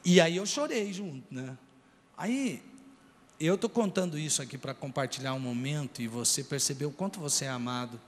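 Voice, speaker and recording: A pastor with a Brazilian Portuguese accent preaches a sermon, earnestly telling a personal story and addressing the congregation directly. His voice is on the high side and sounds like it's in a big room.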